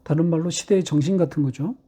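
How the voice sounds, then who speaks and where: A middle-aged male pastor preaching a sermon, posing rhetorical questions and slowing down to stress key phrases. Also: fairly high pitch, mellow, slightly rough. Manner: rhetorical questions, measured delivery with slowed emphatic phrases.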